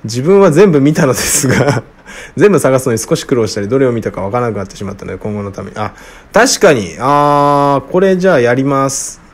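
A man answering listener questions alone in casual talk, frank and rambling with many fillers, often trailing off quietly. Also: a little fast. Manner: lively, wide pitch swings. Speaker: radio-style show host answering listener questions.

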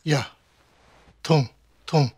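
An actor playing a brisk, hospitable mountain villager in a video game, insistent and given to short repeated phrases. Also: male voice, fairly high pitch, a little mellow, slightly rough, no echo, full character voice. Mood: hospitable, urging. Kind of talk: video game cutscene acting.

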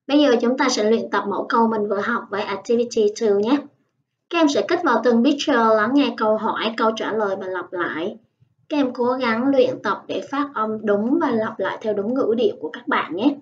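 A woman teaching English in an online lesson, patiently explaining and modelling phrases slowly. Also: fairly high pitch. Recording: dull, slightly distant lo-fi sound.

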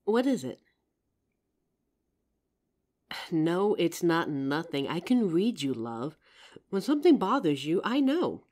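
Woman acting as devoted girlfriend, comfort audio roleplay, unhurried pace, animated intonation, tender, earnest, teasing, protective. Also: lowish voice. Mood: gently concerned. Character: loving, protective girlfriend reassuring her partner.

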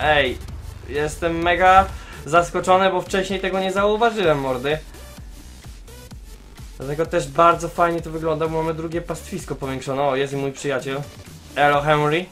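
A man's voice: a little high, a bit bright. Chatty young man commenting on gameplay. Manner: chatty, talks straight to viewers as "mordeczki", many fillers. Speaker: gaming YouTuber. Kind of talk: casual let's-play commentary. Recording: game music faint behind voice.

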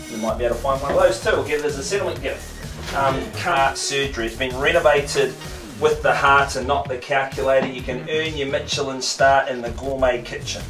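A middle-aged man with a New Zealand accent calling bids at a live property auction, with quick joking banter and rhythmic patter. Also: mid-range voice. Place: crowded living room of a house for sale. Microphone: far camera, no mic. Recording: echoey room, voice from far off.

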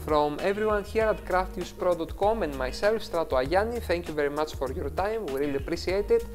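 A man's voice: sits high, lively intonation, fairly quick, soft background music. A man with a Greek accent hosting a photo-editing tutorial, explaining each step over a screen recording and correcting himself as he goes. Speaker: tutorial host.

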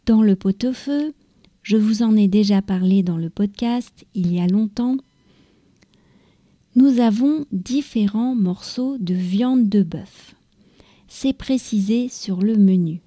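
French woman, podcast host, very dark mellow tone, dry close sound, slow careful reading. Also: medium pitch, no echo. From France. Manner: calm, careful, unhurried reading. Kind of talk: slow read-aloud for French learners.

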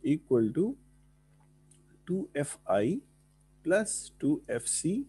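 A man's voice: fairly high pitch, huge pitch swings, slow, dark tone, slightly rough, soft background music. A man with a South Asian accent giving an engineering lecture, mixing Hindi-Urdu phrases into English and often checking understanding with short questions. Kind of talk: classroom lecture with board working and questions to students.

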